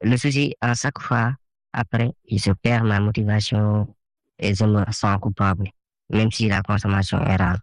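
A man in his twenties leaving an anonymous voice message for a radio show, his voice disguised by a deeper pitch shift, polite and a little hesitant. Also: fairly even intonation, normal speed, dry recording, poor audio. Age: 20s. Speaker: anonymous listener with a recorded question.

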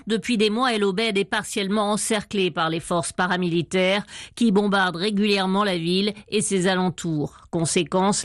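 A female reporter reading a scripted news piece in a steady, even voice. She sits close to the mic in a dry space. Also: medium pitch, dry recording. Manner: steady scripted narration, voicing over interviewees. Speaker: radio reporter.

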